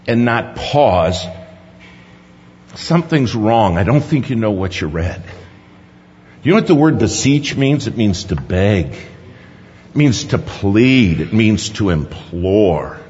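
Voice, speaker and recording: A man preaching a sermon in a large conference hall, emphatic, dropping to hushed low lines and rising to sudden high stresses, in a dull recording with long hall reverb. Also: sing-song, slow pace, slight background noise.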